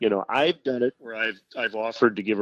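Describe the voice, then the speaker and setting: A bright, sharp tone with ordinary pitch variation, in a dry, close sound with no echo. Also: man. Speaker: baseball play-by-play broadcaster. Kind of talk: interview answer.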